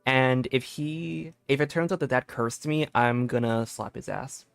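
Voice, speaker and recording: A young man doing casual live game commentary as a streamer, excitable and rambling, often repeating himself. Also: mid-range voice, measured pace, vocal fry, smooth, no echo. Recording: dry close sound with game music.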